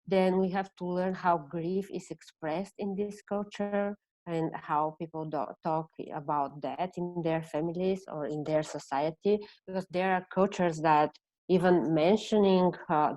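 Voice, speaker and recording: A woman from Bulgaria with a Bulgarian accent presenting an online seminar, speaking haltingly as she searches for words in non-native English. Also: deep voice, fairly even intonation, darkish tone, no room sound, rough recording. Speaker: presenter, counselor.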